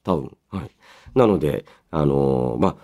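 On his radio show, a man who also works as a voice actor moves between announcements and easygoing chat, staying polite and chatty with plenty of soft "ne" tags. His bass voice is gravelly and expressive, delivered a little slowly.

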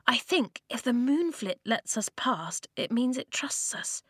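An earnest young boy speaks softly and seriously, with a small stammer when he is unsure, as a woman reading a storybook puts him on. His voice sits a little higher than the reader's own. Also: sing-song, measured pace, breathy edge, dry recording, clean studio sound, exaggerated voice. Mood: hushed. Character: young boy, steady and protective leader.

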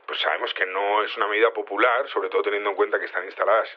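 Casting: male security chief, lowish voice, earnest and hesitant, heard over a muffled phone call in a radio drama. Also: fairly even intonation. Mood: explaining, defensive. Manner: hesitant, halting explanations with frequent tags. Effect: phone-line filter. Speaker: head of security interviewed on air. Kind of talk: audio fiction acted as a live call-in interview. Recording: dull, band-limited phone call.

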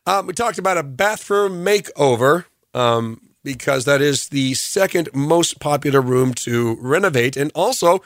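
A man hosting a morning radio show, his voice hoarse from allergies, rambling through tips with lots of ums and uhs. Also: on the high side, animated, a little slow, few pauses, no echo, clean studio sound. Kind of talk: radio show recap, casual talk. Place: radio studio.

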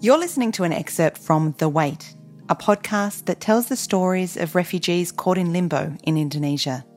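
Brief: woman host, lowish voice, scripted link with soft music under it. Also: normal speed. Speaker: podcast host. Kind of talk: scripted presenting.

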